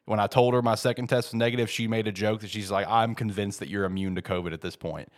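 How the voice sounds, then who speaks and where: A man's voice: fairly low pitch, steady tone, fast talker. Congested man rambling about football. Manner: rambling, lots of fillers and restarts; worked up, emphatic bursts. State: congested with a head cold. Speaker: podcast host. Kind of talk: casual sports talk.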